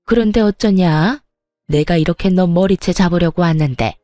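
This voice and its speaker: A woman's voice: on the low side, normal speed, dark tone, faint music behind, lightly acted. A woman voicing an angry middle-aged mother-in-law who scolds and sneers harshly, in a storytelling reading. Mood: scolding.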